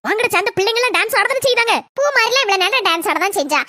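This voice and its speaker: A woman's voice: extremely high pitch, lively intonation, very fast. Woman doing a coaxing auntie. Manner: coaxing, scolding, chatty. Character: fussy, coaxing village auntie. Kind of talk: cartoon voice acting. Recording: noisy soundtrack.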